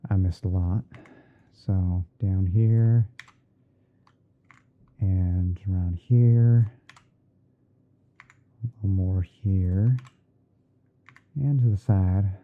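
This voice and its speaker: A man playing a gentle, easygoing TV painting instructor in a halting, murmured ASMR livestream roleplay. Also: sits low, fairly even intonation, narrow, tinny audio. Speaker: livestream host. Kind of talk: ASMR roleplay livestream while editing images.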